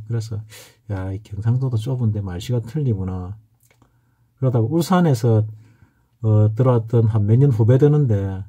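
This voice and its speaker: A middle-aged man from the Gyeongsang region teaches in a casual, anecdotal way, with a strong regional accent. He often pauses and restarts as he wanders through stories. His voice is dark and mellow, with a husky edge. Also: medium pitch. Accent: Gyeongsang Korean. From Gyeongsang region, South Korea. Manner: rambling, anecdotal, frequent hesitations. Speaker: saju fortune-telling instructor. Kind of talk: casual lecture.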